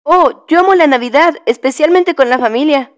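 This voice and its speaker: A woman's voice: high voice, normal speed, no room sound, studio quality, natural voice. A woman voicing a sweet, eager young boy fox in a cartoon. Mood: eager, puzzled.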